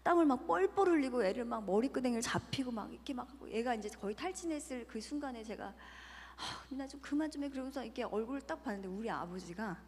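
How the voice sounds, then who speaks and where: A woman's voice: on the high side, darkish tone. Earnest woman testifying in an echoing hall. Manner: earnest, often drops to a near whisper. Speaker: church deaconess giving testimony. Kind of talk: emotional personal testimony. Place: large church hall at a retreat. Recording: long church-hall reverb.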